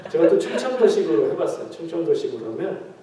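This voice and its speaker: A man's voice: on the high side, background noise. A man preaching a midweek prayer meeting sermon in a conversational way, asking the congregation questions and joking with them. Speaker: pastor. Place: church sanctuary. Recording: very echoey hall, mic far off.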